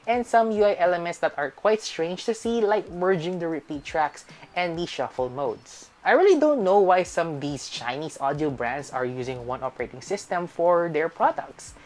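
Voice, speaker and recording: A woman's voice: on the low side, lively intonation, normal speed, a little mellow. A woman presenting a scripted gadget review as a tech channel host, with emphatic sentence openings that trail off at the ends. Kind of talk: scripted product review narration.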